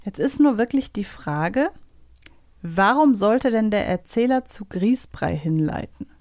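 A woman hosting a podcast chats casually and enthusiastically in fan talk and quiz banter, thinking aloud in long, winding sentences. Her mid-range voice is lively, a little slow and a little mellow, recorded dry at studio quality.

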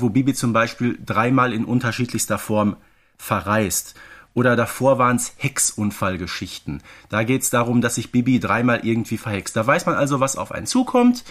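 A man's voice: mid-range voice, a bit bright. A middle-aged man co-hosting a podcast, discussing audio dramas casually in an explanatory way with tag questions and asides. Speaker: podcast co-host.

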